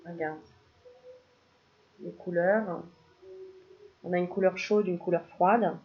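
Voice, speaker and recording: Une femme qui tire des cartes de spiritualité, bavarde et joueuse, qui rit souvent et lance parfois des chants pour rire. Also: female voice, fairly low pitch, steady tone, slow pace, phone-quality sound. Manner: chatty, playful, laughs often, bursts into mock singing. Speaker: spiritual card reader. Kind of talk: casual card-reading video.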